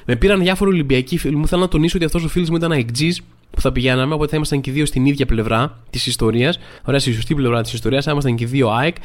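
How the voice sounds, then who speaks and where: Rambling, chatty podcast host, a man. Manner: chatty, rambling, full of fillers and restarts; acts out quoted people with sudden pitch jumps. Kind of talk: casual comedic monologue podcast.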